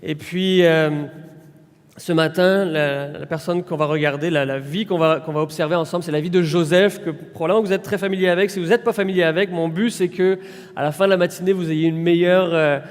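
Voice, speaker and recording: A man's voice: on the high side, fairly even intonation. French-accented man in a reverberant church. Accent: French from France. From France. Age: 30s. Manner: conversational and unhurried, with frequent pauses. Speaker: pastor. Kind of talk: informal sermon introduction. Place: church hall. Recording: long reverb of a church hall.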